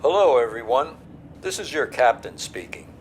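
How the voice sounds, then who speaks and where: An actor playing a genial, reassuring airline captain making a routine cabin announcement in an audio drama. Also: male voice, medium pitch, animated, normal speed, noisy background, lightly acted. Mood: relaxed, friendly. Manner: easygoing, reassuring.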